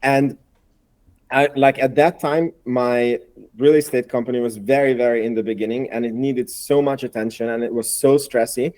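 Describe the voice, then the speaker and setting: Mellow-voiced man from Hungary, chatty. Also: mid-range voice, steady tone, moderate pace. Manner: chatty, repeats words, slightly non-native phrasing. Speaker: guest, investor and YouTuber. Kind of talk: casual podcast conversation.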